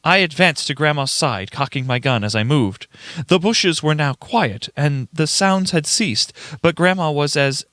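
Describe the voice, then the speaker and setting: A man's voice: on the high side, expressive, unhurried, fairly bright tone, dry recording. A man playing an earnest, unnerved young writer giving testimony in a radio play, in formal old-fashioned language with stumbles over words. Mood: grave, measured. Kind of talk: dramatic radio play reading.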